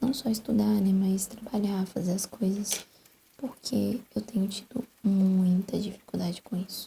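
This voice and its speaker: A soft-spoken woman of medium pitch, calm and relaxed in tone, at a fairly slow pace with fairly even intonation. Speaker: ASMR creator. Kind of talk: ASMR soft-spoken chat while crafting. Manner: soft-spoken, calm, relaxed.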